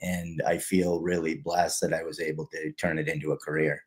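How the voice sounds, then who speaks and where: A man's voice: extremely low pitch, level tone, a little fast, breathy edge. A man from Canada, a guest on a livestream interview, talking in a friendly, easygoing way. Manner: friendly, easygoing, some restarts. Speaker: guest, kids' fitness founder. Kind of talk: casual interview. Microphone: video call livestream.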